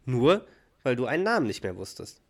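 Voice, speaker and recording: A man's voice: medium pitch, very animated, a little fast. A man reading an exasperated, scolding wife. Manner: scolding, sarcastic. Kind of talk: podcast read-through of a sitcom scene.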